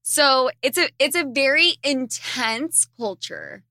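Slow, crude, laughing young woman. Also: sits high, expressive, bright, forceful tone, no room sound, studio quality. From Argentine family. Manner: blunt, crude, laughs often while talking. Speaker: podcast host. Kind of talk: casual podcast chat, reading listener questions.

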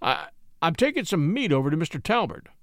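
A man's voice: a little high, big pitch swings, a little fast, a bit bright, no echo, studio quality. Man doing a wary, folksy wagon driver. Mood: flustered. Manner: laconic, folksy, hesitant.

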